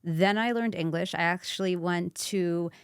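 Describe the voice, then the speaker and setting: A woman with a New York accent, a native Croatian speaker, telling stories in a lively, brash way as a podcast guest. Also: lowish voice, moderate pace, clean tone, no room sound, studio quality. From Astoria, Queens, New York. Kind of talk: casual interview chat.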